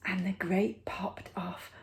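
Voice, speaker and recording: A woman teacher reading a picture book aloud to children, with expressive, deliberate storytelling and dramatic pauses. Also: mid-range voice, vocal fry.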